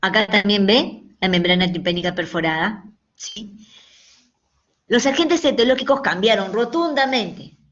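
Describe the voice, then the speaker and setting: A woman's voice: mid-range voice, measured pace, a bit bright. A woman giving a medical lecture to students, explaining patiently and often checking in with short questions. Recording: dull lo-fi recording.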